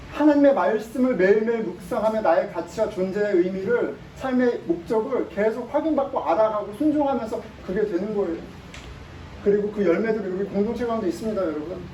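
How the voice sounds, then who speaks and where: A man's voice: high voice, mellow, slight background noise. A man preaching a sermon as pastor, speaking with emphasis and often putting rhetorical questions to the congregation. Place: church sanctuary. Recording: echoey room, mic at a distance.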